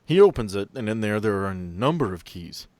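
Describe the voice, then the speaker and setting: A man acting as game master, narrating scenes of a tabletop game in a measured way. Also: on the low side, big pitch swings, darkish tone, dry recording.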